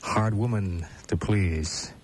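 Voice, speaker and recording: A man's voice: fairly low pitch, slow pace, husky, dry recording. A man voicing scripted station idents and album-show intros as a radio announcer. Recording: loud music over 1980s radio aircheck.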